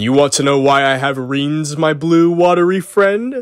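A man puts on a character voice at a fairly high pitch. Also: moderate pace. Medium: dub.

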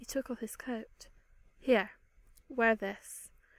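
The clip is plain reading aloud, delivered with fairly even intonation.

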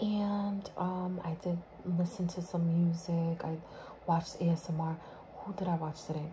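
A soft-spoken woman talks at a fairly slow pace in a fairly low pitch, her intonation flat and monotone, with noticeable background noise. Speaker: ASMR creator. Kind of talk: soft spoken ASMR chat. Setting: home video, self-recorded. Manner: soft-spoken, casual. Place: home room. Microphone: phone near.

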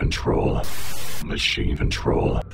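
Loud background noise surrounds a man doing a put-on character voice. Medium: audio drama. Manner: fragmented single words, stuttering, detached.

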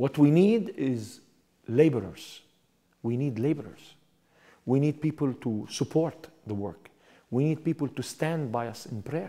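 A man with an Arabic accent speaks at a fairly slow pace, his voice fairly high with a dark, mellow tone. Long, frequent pauses break up his speech against a quiet background. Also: lively intonation. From Lebanon, Beirut; Lebanon. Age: 40s. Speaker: missionary; interviewee. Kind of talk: testimony. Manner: halting. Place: home room. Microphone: lapel.

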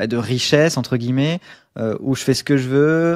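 Against a quiet background, a man talks at a fairly quick pace with fairly even intonation, the sound dry with no echo. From rural France. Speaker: online course entrepreneur; podcast guest. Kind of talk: casual interview. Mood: relaxed, reflective. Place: home room. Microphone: earbuds.

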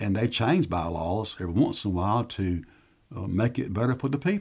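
The background is quiet as a man speaks. His voice is fairly low and somewhat breathy. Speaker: pastor. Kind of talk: sermon. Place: studio.

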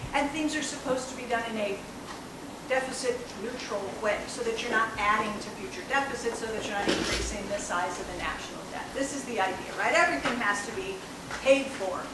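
Speaking at a fairly quick clip, a woman comes through with audible room echo and noticeable background noise. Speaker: economist. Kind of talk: conference talk. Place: classroom. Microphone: podium.

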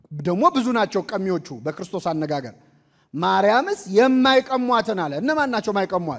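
A man with a high, animated voice, very wide pitch swings, and a quiet background. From Ethiopia. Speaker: deacon preacher. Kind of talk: sermon. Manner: animated, questioning the audience. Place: hall.

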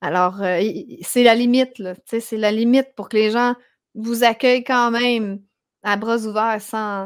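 Against a quiet background, a woman speaks at a fairly slow pace. She leaves long, frequent pauses and keeps a fairly even intonation. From Quebec. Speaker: singer and influencer; influencer. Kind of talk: casual chat. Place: home room. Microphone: video call.

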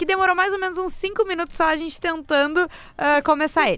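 In a raised, projected voice with a bright, sharp tone, a woman talks at a fairly slow pace. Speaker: radio podcast host. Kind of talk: casual banter with co-hosts, podcast.

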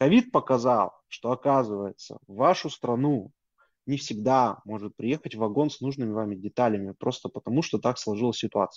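Against a quiet background with a dry sound and no echo, a man talks at a moderate pace with ordinary pitch variation and big swings in loudness. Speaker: guest with manufacturing background; guest. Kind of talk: casual interview chat. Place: home room. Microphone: video call.

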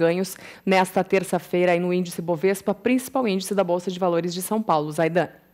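Over a quiet background, a woman speaks with a Brazilian accent. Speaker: market reporter. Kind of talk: news report. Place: studio.

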